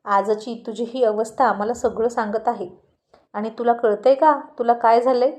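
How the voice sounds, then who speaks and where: A woman with a fairly high, slightly mellow voice, close to her everyday one, plays a confident young female friend who teases knowingly. Her intonation stays fairly even and her pace is moderate.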